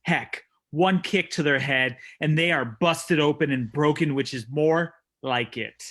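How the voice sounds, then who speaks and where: A man's voice: fairly high pitch, measured pace, a bit bright. A man playing a tough, cocky young wrestling prince, delivering a defiant theatrical promo. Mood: taunting. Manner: taunting, defiant.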